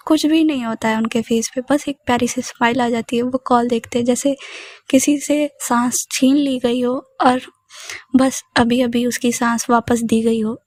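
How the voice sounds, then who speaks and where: A woman's voice: sits high, darkish tone, no room sound, studio quality. A woman narrating a romantic audio story in a casual, chatty way, full of conversational fillers.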